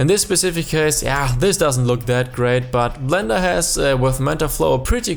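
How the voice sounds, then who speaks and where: Over music in the background, someone talks at a moderate pace with a German accent. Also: man. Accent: German, self-described bad English. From Germany. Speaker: 3D animator, tutorial YouTuber. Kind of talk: tutorial. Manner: casual, with hesitations and self-corrections.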